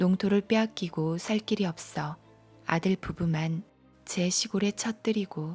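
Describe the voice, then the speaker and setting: Music plays in the background as a woman talks at a very slow pace in a calm, soothing tone. Her pitch is medium and her intonation fairly even. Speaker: audiobook narrator. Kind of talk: audiobook reading of a short story.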